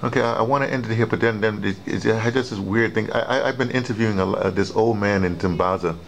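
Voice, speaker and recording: A man interviews a guest in a somewhat low, gravelly voice, stumbling through rambling questions with many fillers and restarts. The audio is noisy room sound from an indoor camera setup. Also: quick pace.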